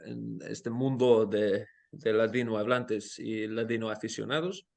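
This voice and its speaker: A man with a lowish, creaky voice and a steady tone speaks slowly and hesitantly, with many fillers and restarts as he searches for words. He is a native Dutch speaker and a language teacher, appearing as a guest in a casual interview conversation at his home in Amsterdam.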